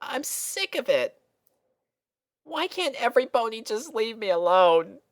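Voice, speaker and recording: A woman's voice: on the high side, sing-song, unhurried, voice pushed up. A woman voicing an anxious, lovesick young unicorn filly in a story reading, plaintive and easily flustered. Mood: remorseful, overwhelmed. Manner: plaintive, flustered, hesitant with stammers.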